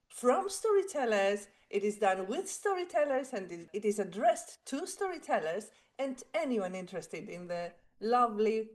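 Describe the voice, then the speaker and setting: Woman hosting a podcast, kinda high, voice bounces around a lot. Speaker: podcast host. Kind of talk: interview hosting.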